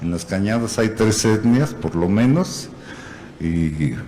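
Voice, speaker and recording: A man with a low-pitched voice answers from a panel. He speaks slowly and hesitantly, with many fillers. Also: expressive, mellow. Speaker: muralist panelist. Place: university museum hall.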